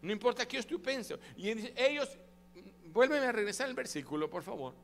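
A man preaching as pastor, emphatic and swinging between loud and soft, prompting the congregation to repeat after him. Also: very high voice, animated, moderate pace, in a large hall, slight background noise. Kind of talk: sermon.

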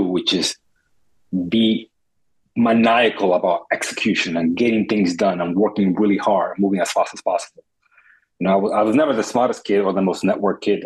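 A man's voice: lowish voice, darkish tone, slightly rough, low-quality recording. A man from the Dominican Republic, a startup founder telling his story in an interview, earnest and reflective with many restarts.

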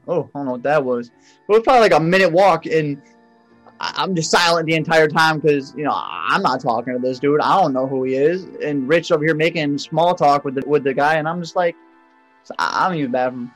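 A man with a notably high voice, chatting on a podcast. He rambles through a story in easy slang and trails off into "you know" and "like". His delivery is loose and unhurried. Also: a bit bright, faint music behind. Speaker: podcast co-host. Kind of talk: casual chat.

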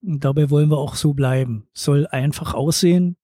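A man from eastern Germany who runs a beach bar and holiday flats, answering interview questions in a relaxed, plainspoken way. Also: on the high side, moderate pace, no echo, studio quality.

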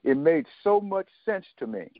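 A man in his seventies, a guest on a talk radio show, telling his story haltingly with many fillers and restarts and quoting others in dialogue. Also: a little high, sing-song, no room sound. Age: 70s. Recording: dry, tinny phone line.

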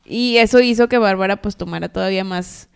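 A woman's voice: medium pitch, brisk, gravelly, clean tone. A woman co-hosting a podcast, retelling history as chatty, dramatic gossip with asides. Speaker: podcast co-host. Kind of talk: casual storytelling chat.

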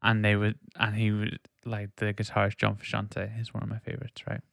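A man's voice: lowish voice, monotone, a little fast, vocal fry, a bit bright, no room sound, clean studio sound. A man hosting a podcast, chatting informally about music in a rambling way and often checking for agreement. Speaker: podcast host. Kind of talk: casual music discussion chat.

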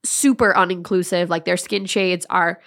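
A woman's voice: fairly low pitch, fairly even intonation, normal speed, fairly bright tone. A young woman, co-hosting a podcast in earnest, casual chat. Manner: chatty, earnest, swears casually. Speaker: podcast co-host.

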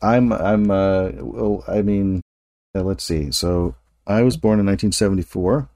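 A man's voice: low-pitched, a little slow, mellow, dry recording, studio quality. A man in his late forties hosting a casual interview, talking in a rambling, self-correcting way with frequent laughs. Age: 40s. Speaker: podcast host.

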